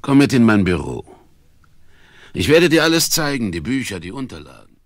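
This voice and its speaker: A man's voice: medium pitch, very animated, moderate pace, no room sound, clean studio sound. An actor playing an older shipowner and father facing ruin, in a weary, resigned manner in a radio play. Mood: grave, resigned.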